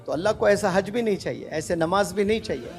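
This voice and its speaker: A man's voice: high voice, over music. A man preaching an emotional Islamic sermon, impassioned and exhorting, full of rhetorical questions.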